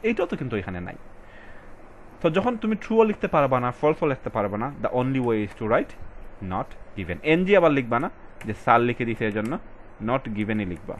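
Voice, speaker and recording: Tutor reading English words slowly. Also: male voice, mid-range voice, big pitch swings, slight background noise. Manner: switches between Bengali and English, reads passage lines slowly and stresses words; addresses students directly, casual colloquial. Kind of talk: recorded exam-prep lesson.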